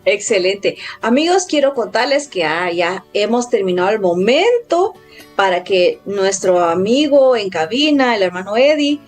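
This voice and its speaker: A woman's voice: mid-range voice, sing-song, unhurried, soft background music. A woman hosting a radio call-in show, addressing listeners directly with promotional announcements.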